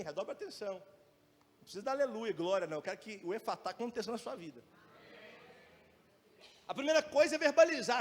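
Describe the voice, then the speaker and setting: High-voiced Brazilian preacher in a reverberant hall. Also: male voice. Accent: Brazilian Portuguese. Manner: preaching with shifting loudness and pace, rhetorical questions. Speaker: pastor. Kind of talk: sermon.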